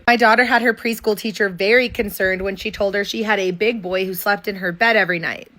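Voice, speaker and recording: Bright, amused young woman reading comments. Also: fairly high pitch. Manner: amused, often breaking into laughter. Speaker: content creator reading viewer comments. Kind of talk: reading comments aloud with reactions.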